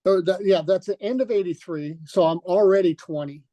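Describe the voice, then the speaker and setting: A retired motocross racer, an older man, is a guest in a relaxed interview, reminiscing about his career in a loose, rambling way full of fillers and restarts. His voice is high-pitched with a dark tone and a little fast, and the recording is dry and dull.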